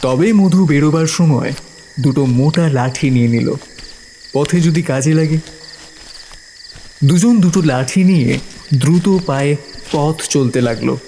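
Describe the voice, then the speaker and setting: A man's voice: on the high side, measured pace, pauses often, a little hiss or hum. A man narrating a village ghost story in a dramatic scripted style. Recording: narration over loud music. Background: music with crickets.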